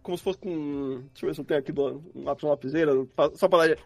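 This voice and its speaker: In a casual interview, this Brazilian-accented sound designer explains his work and acts out how he thinks it through. His voice is a little high, gravelly and a little mellow, and he races along. The recording is dry.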